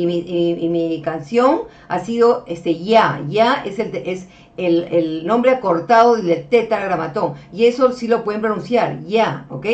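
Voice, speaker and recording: With a medium-pitched, slightly mellow voice, a female religious teacher gives a patient slide-based lecture, addressing her listeners as beloved brethren. She checks in often with "ok?" and uses "este" fillers, and the mic sounds distant and dull.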